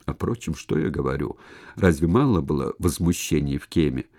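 A man narrating a historical novel as an audiobook in an even storytelling manner. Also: very deep voice, normal speed. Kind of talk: scripted narration.

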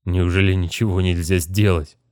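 A man doing a quiet, resigned old father. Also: deep voice, steady tone, moderate pace, no room sound, studio quality, lightly acted. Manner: quiet, subdued.

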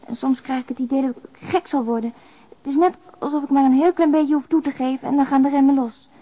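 A woman's voice: high voice, fairly even intonation, fast, lightly acted. An actress playing a despairing young single mother who confides in a plain, subdued way, as in a radio drama letter. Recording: dull, lo-fi radio drama recording.

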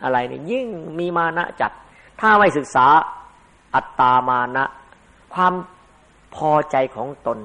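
A man's voice: mid-range voice, lively intonation, measured pace, vocal fry, pauses often, sharp tone. An older man giving a Buddhist dharma sermon in a conversational way, rising into emphatic bursts. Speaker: Buddhist monk teacher.

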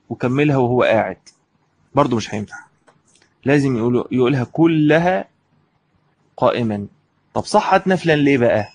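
Husky-voiced Egyptian man teaching a text. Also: on the high side, dry recording. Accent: Egyptian Arabic. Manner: reads a line of the text, then explains it in everyday speech; questions the listener and answers himself. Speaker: Islamic law teacher. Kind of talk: lecture explaining a classical text.

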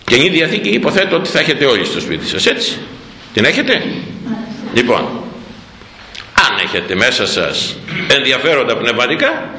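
A male preacher delivers a sermon in an animated storytelling way, his voice swooping up and down as he talks to the listeners. His tone is bright and fairly high, and the sound is echoey and roomy. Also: long pauses, slight background noise. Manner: animated storytelling, addressing the congregation.

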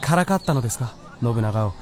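An actor playing a calm, kindly white fox spirit in a radio drama, plain-spoken and thoughtful. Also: male voice, mid-range voice, brisk, a faint crowd, a little hiss or hum, lightly acted. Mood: curious. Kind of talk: Japanese radio drama acting.

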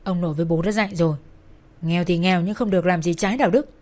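An angry young brother in a spoken storybook, raging at his sister with loud, accusing words, as a woman narrator puts him on. He sounds bitter and full of contempt. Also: fairly low pitch, racing, natural voice. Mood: scornful. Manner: shouting, accusing.

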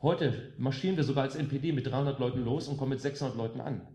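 Between songs at a live concert, a man from West Germany gives a rousing political stage speech, emphatic and full of sarcastic jabs and rhetorical questions. His mid-range voice is warm and rapid-fire. The room sounds roomy, with faint music.

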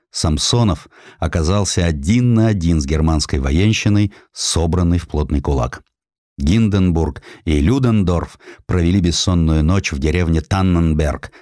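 A man reading historical prose as an audiobook narrator, with measured, expressive and dramatic delivery. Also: deep voice, dry recording, clean studio sound.

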